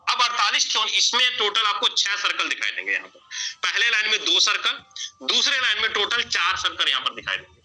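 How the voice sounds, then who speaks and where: Male explainer, high pitch, piercing bright tone, repetitive whiteboard walkthrough. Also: very animated, brisk, poor audio. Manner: repetitive, addresses listener as sir. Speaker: presenter explaining an earning plan.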